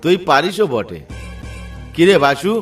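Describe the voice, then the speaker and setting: A man voicing a lively village elder in a cartoon. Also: on the high side, measured pace, recorded from a distance, faint music behind. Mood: mocking. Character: older village man Bhola, mocking then worried.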